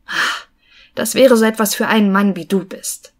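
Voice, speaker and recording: A woman's voice: medium pitch, steady tone, normal speed, lightly acted. A woman voicing a cheeky, boastful little male tailor in a fairy-tale audiobook, sounding sure of himself. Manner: boastful, self-assured.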